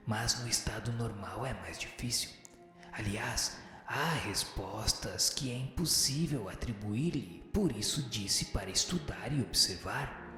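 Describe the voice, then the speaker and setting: Radio drama: actor as patient, solemn male spirit sage, measured and didactic, long hall reverb, lowish voice. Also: fairly bright tone. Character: wise male spirit teacher answering questions, patient and solemn. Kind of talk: scripted radio drama reading of a spiritual text. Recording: very echoey hall-like reverb with music behind.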